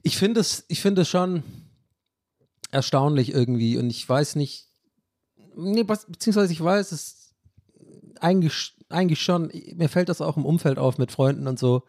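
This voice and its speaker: A man's voice: on the high side, animated, moderate pace, a little mellow, dry recording, studio quality. A podcast host in his late thirties, talking casually to his listeners in a rambling, self-reflective way and dropping in English phrases. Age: 30s. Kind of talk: casual chat monologue.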